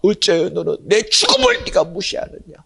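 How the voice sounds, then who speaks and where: Fiery pastor swinging from whisper to shout. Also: male voice, sits high, wildly swooping pitch, moderate pace, gravelly, breathy edge. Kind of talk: sermon.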